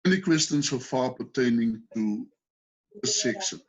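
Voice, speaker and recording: A man's voice: mid-range voice, expressive, moderate pace. A South African man teaching first aid on a video call, patiently explaining steps and asking the group questions. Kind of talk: online training session. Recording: dull lo-fi call audio.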